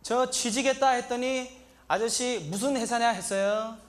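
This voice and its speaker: High-voiced naive migrant worker Blanca. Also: male voice, a little slow. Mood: plaintive. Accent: Sri Lankan. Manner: broken, simple Korean sentences; shouted indignant catchphrase. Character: naive young male migrant worker, earnest, put-upon. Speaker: comedian. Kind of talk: stand-up comedy monologue.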